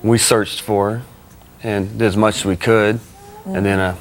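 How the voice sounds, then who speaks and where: A man as a guest on a talk show, speaking haltingly and plainly with many pauses. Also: fairly low pitch, little pitch movement, slight background noise. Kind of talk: emotional interview answers. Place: television studio.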